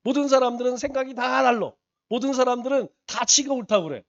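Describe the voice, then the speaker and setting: A man's voice: very high-pitched, quick pace, highs cut off. A male pastor teaching a Bible study, asking the congregation rhetorical questions and repeating points for emphasis.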